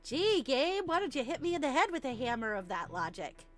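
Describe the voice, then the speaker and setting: A woman co-hosting a let's play, reading a game character's lines aloud in an animated way. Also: high voice, a little fast. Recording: game music behind. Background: video game music.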